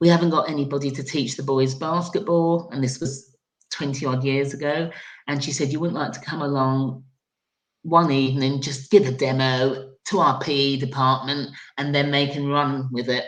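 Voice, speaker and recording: The speaker talks at a moderate pace. The voice comes with an English accent. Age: 60s. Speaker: former teacher and basketball coach. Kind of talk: casual interview. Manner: animated.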